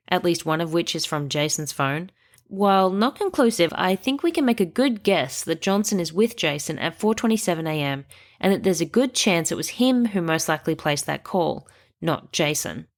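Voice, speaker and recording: A woman hosting a true crime podcast, reading a measured scripted narration with a stuffy nose. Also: fairly low pitch. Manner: measured, reasoning aloud through evidence.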